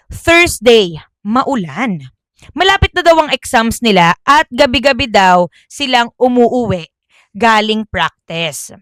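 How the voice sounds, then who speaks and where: Lively, chatty woman telling a ghost story. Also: fairly high pitch, dry recording. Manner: chatty, self-correcting, Taglish. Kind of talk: casual horror storytelling.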